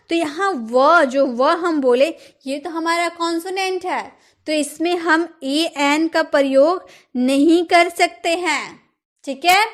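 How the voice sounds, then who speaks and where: High-voiced woman teaching grammar. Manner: asks the class questions and answers them herself; stresses words and repeats them. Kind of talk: exam-prep lesson.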